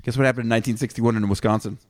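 A man from Canada hosting a casual comedic podcast, deadpan, trading crude jokes and reading facts aloud. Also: medium pitch, very fast, no room sound, studio quality. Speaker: podcast host.

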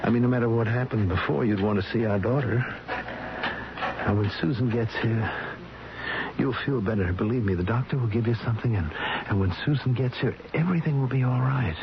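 An actor playing a distraught, doting husband in a 1970s radio drama, speaking in a faltering, helpless way. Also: male voice, mid-range voice, natural voice. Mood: pleading, tender. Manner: halting, faltering, repeating himself. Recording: muffled, very noisy old radio broadcast.

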